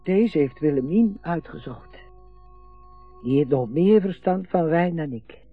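Chatty middle-aged father, lively pitch swings. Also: a little slow, husky, heavily acted. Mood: jovial, eager. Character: chatty middle-aged father proudly showing off his home. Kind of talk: naturalistic radio drama acting. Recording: muffled radio play recording, faint music.

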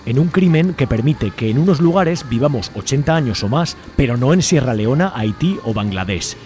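A man's voice: mid-range voice, animated, normal speed, a little mellow. Male radio presenter, Spain accent, mid-range voice, scripted editorial narration, music behind. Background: music under the voice.

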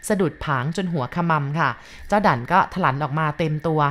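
A woman's voice: deep voice, brisk. A woman storyteller narrating a ghost story, polite and addressing her listeners directly.

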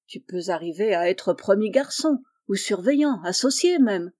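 A kind, wealthy gentleman painter speaks gently and reassuringly to the young men he looks after, as a woman narrator puts him on. The tone is mellow and warm, and his reading has the calm of a storybook. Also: medium pitch, moderate pace, close to an everyday voice. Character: kind wealthy middle-aged male painter, benefactor.

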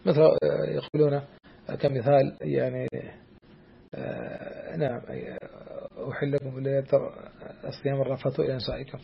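A man teaching a classical text of Islamic jurisprudence to a student. He talks hesitantly, with many drawn-out fillers and restarts, and keeps checking that the student follows. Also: medium pitch, flat delivery, vocal fry, dull audio, a little hiss or hum.

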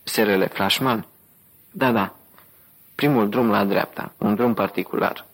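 A man reading the lines of an obliging, lanky young gas station attendant, in a low, husky voice. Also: a bit bright. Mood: helpful. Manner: obliging, helpful.

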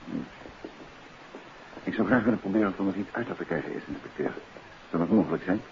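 A muffled, hissy old radio drama recording carries a gentleman detective. His voice is low, and he is composed, courteous and firm as he probes with questions. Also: fast. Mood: probing, polite. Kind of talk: 1950s Dutch radio drama acting.

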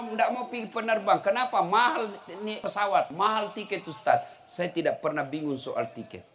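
A middle-aged male preacher, giving a humorous religious lecture and telling stories with shouts and laughter. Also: high voice. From South Sulawesi. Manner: animated storytelling, bursts into shouts and laughter.

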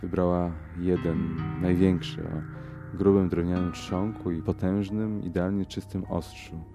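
A man reading a horror story aloud and hosting the podcast, measured in his delivery. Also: sits low, flat delivery, over music. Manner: measured, hesitant in the outro with fillers. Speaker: podcast host and reader.

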